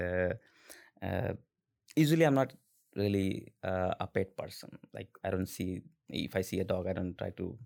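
A man in his twenties with an Indian accent, a podcast guest telling stories casually with halting restarts and fillers. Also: deep voice, vocal fry. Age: 20s. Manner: halting, many restarts and fillers, laughs often. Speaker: interview guest. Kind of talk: casual conversational storytelling.

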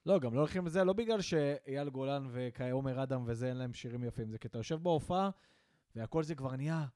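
A man's voice: medium pitch, smooth, no room sound, clean studio sound. A young man co-hosting a podcast, ranting in casual chat and acting out what people say. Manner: animated ranting, acts out quotes. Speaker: podcast co-host.

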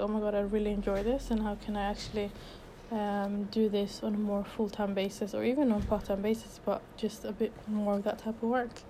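A young woman from Sweden chats through her own unedited podcast as a life coach, upbeat and loose, full of fillers and restarts. Her voice stays mellow and fairly level in pitch, and she sounds a little out of breath. Faint noise hums behind her. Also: low-quality recording. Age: 20s. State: a bit out of breath. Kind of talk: casual unedited solo podcast.

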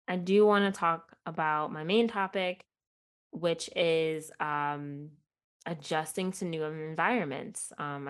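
A woman's voice: low-pitched, clean tone. A young woman with a Midwestern accent, hosting her own podcast in a casual, chatty way, full of fillers and frequent laughs. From Chicago. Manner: chatty, self-deprecating, laughs often, many fillers. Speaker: podcast host. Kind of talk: casual solo podcast chat.

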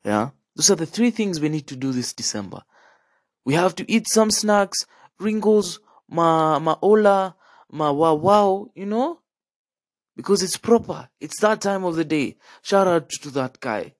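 A young man with a Kenyan accent tells stories in a casual, animated, chatty monologue, checking in with the listener and dropping in Swahili slang. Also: on the high side, normal speed, dry recording, clean studio sound. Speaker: podcast host.

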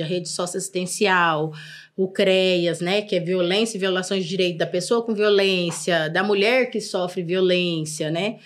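A middle-aged woman with a Brazilian Portuguese accent, telling stories from her social work in a relaxed podcast conversation. She talks in an earnest, animated way, at an ordinary middle pitch. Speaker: social services secretary, podcast guest. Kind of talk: casual podcast storytelling.

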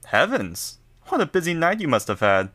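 A man's voice: a little high, big pitch swings, normal speed, sharp tone, heavily acted. An actor playing a doting, fussy male telegram messenger who acts like a housewife in a radio comedy. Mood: eager, attentive. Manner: solicitous, domestic. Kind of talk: comedic old-time radio acting.

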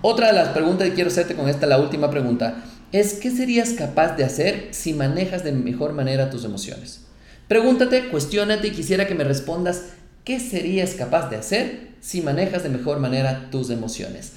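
A man's voice: fairly high pitch, a little fast. Upbeat man coaching in an echoey room. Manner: animated, upbeat coaching with rhetorical questions. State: sore throat. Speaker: podcast host and coach. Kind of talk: motivational podcast monologue.

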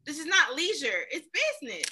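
A woman's voice: sits high, sing-song, brisk, bright, forceful tone. A woman with an African American accent chatting casually and emphatically, full of slang and swearing. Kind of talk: casual opinionated chat.

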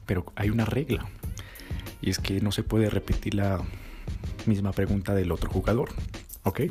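Brief: low-pitched male dating coach talking to the viewer, music underneath. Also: fairly even intonation, moderate pace, a little mellow. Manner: coaching, addresses the viewer directly. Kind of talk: dating advice monologue.

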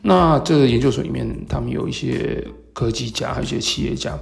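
A man with a Taiwanese Mandarin accent and a gravelly voice hosts a solo podcast talk, explaining things in a halting way with hesitant pauses. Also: mid-range voice. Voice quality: gravelly, creaky. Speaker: podcast host. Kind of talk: solo talk explaining tech and market topics.

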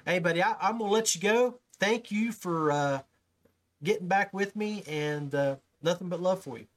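Folksy podcast host, slightly high voice. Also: male voice, moderate pace. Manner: folksy, repeats words when starting sentences. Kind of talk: casual podcast interview. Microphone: call audio with his own mic.

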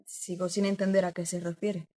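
A woman playing a sharp-tongued female newspaper reporter with an ironic, teasing manner in a radio drama. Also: fairly low pitch, flat delivery, normal speed, close to an everyday voice. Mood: inquisitive. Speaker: journalist.

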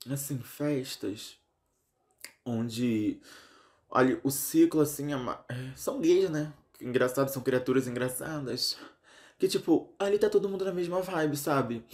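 A young Brazilian man vlogging in casual chat, venting dramatically and exasperatedly, his voice leaping up and down. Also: a little mellow. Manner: dramatic, exasperated venting with big pitch swings.

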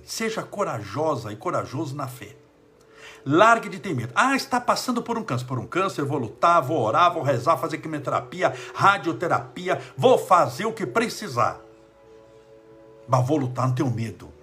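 Brazilian guy giving a spiritual pep talk, swoopy lively voice, jokey, talks right at you. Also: fairly high pitch, a little fast, faint music behind. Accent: Brazilian Portuguese. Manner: animated, joking, addresses listener directly. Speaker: spiritist lecturer.

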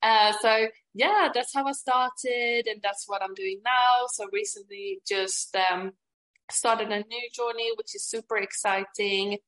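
A woman's voice: a little high, fairly even intonation, measured pace, fairly bright tone, poor audio. A woman in her late twenties with a Swedish accent tinged with British, chatting casually and emphatically as an interview guest. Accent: Swedish with some British. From Sweden. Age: 20s. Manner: enthusiastic, emphatic. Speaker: podcast guest, network marketer.

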